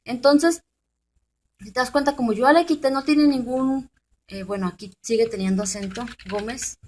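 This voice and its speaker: A woman's voice: fairly high pitch, normal speed, a little mellow. A woman hosting a programming tutorial, thinking aloud with fillers and asking the viewer questions. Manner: informal, thinks aloud with many fillers and restarts; addresses the viewer directly with questions. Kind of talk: screen-recorded software tutorial.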